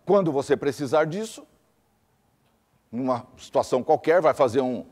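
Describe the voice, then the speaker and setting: A man's voice: mid-range voice, animated, moderate pace, a little mellow, long reverb tail. A man giving a teaching lecture, explaining step by step with lists and repeated examples.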